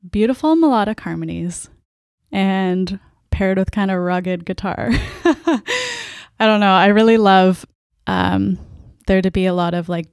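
A soft-spoken Canadian woman, a band's singer and guitarist, answering interview questions with a hesitant, laughing way of talking. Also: mid-range voice, clear, resonant tone, no echo, studio quality. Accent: Canadian English. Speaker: band's lead vocalist and guitarist.

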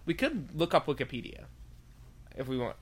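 A woman's voice: rumbling low, sing-song, normal speed, husky. A woman co-hosting a casual podcast, teasing the others with wry jokes. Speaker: podcast co-host. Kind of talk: casual chat.

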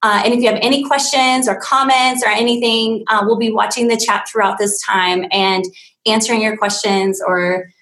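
Woman host, talks fast and eager about her field, sound bounces in the room. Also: fairly high pitch, fairly even intonation, fairly bright tone, roomy sound. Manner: enthusiastic, chatty, nerdy about her subject. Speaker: digital marketing agency owner. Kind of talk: casual live-stream chat.

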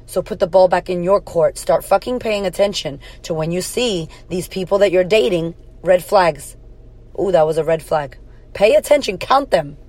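A woman with a husky, hoarse voice hosting a podcast, giving blunt, swear-laden motivational advice in a casual pep-talk. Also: fairly low pitch, moderate pace, a little mellow. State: hoarse from karaoke. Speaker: podcast host, confidence coach.

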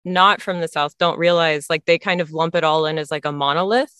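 A woman raised in the American South talks as a guest on an interview podcast. Her voice sits low and sounds smooth and resonant. She speaks hesitantly, often restarting her sentences, on a dry, close recording. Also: fairly even intonation, a little fast, fairly bright tone, no room sound. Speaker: author guest. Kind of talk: casual interview chat.

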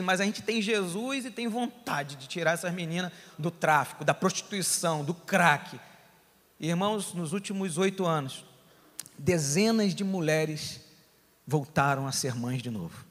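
A pastor telling a story to his congregation, animated, going from loud bursts to hushed tones. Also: sits high, moderate pace. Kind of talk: sermon storytelling. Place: church. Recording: long hall reverb.

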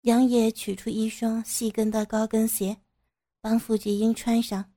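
A woman narrating an audio story in a steady, even storytelling manner. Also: a little high, a little slow.

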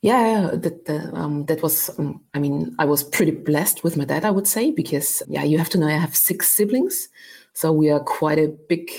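A woman's voice: low-pitched, moderate pace, gravelly, darkish tone, husky. A woman of about forty from Austria, speaking as an upbeat, chatty interview guest at home. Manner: upbeat, laughs often, chatty. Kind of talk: casual interview chat. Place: her flat at home.

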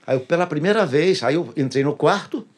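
A man's voice: on the high side, expressive, fairly quick, husky. A pastor tells his personal testimony in a casual interview, earnestly repeating phrases for emphasis.

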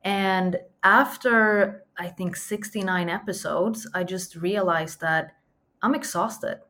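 A woman's voice: mid-range voice, takes it slowly, bright, forceful tone. A woman from Sweden with a light Swedish accent under a mostly American sound, speaking earnestly and reflectively as a podcast guest. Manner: earnest, reflective, emphatic repetitions. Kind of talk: conversational interview.

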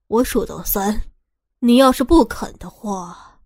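A sneering, menacing man in an audio story, as a woman narrator puts him on, low and cold in his threats but still in a fairly high voice. He speaks slowly and deliberately. The sound is dry and close. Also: a little mellow, no echo. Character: cold, menacing middle-aged man with a shotgun.

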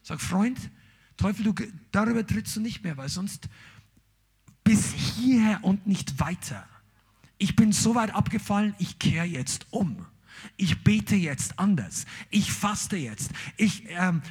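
A man's voice: sits high, husky. A man preaching a sermon as a pastor, emphatic and exclaiming.

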